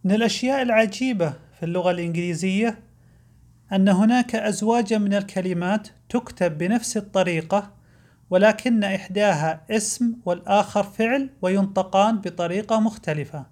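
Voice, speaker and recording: A man narrating a scripted language lesson in a clear, explanatory way. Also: high voice, a little fast, a little mellow. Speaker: language teacher.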